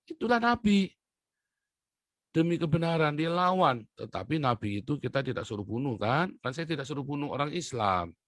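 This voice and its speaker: A man delivering a heated solo monologue. His voice leaps up sharply on stressed points, then drops to low, quiet asides. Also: big pitch swings, moderate pace, no room sound, clean studio sound. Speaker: online commentator.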